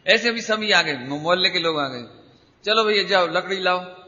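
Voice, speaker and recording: Bright-voiced male Jain preacher in a hall. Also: high voice, expressive, normal speed. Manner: emphatic, repeats key words, urges listeners to attend. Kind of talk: spiritual discourse with a story. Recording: dull lo-fi hall recording.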